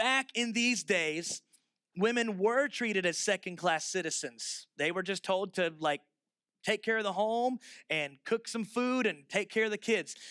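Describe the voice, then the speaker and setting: A man speaks in a raised, projected voice with a bright, sharp tone, high pitch and ordinary pitch variation. The recording is very clean, with a silent background and a dry, close sound with no echo. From Florida. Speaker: pastor. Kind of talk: sermon. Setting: church. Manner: casual, conversational.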